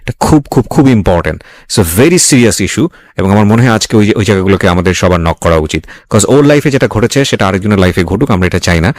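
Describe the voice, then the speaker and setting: A man hosting a call-in radio talk show, calmly questioning a caller and mixing English phrases into his talk. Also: fairly low pitch, fairly quick.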